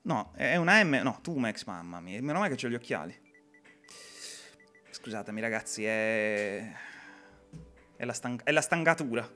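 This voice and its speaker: A man's voice: mid-range voice, lively intonation, moderate pace, pauses often, bright, forceful tone, faint music behind. A young man hosting a live gameplay stream, chatting and reading viewer comments in a jokey way. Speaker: game streamer.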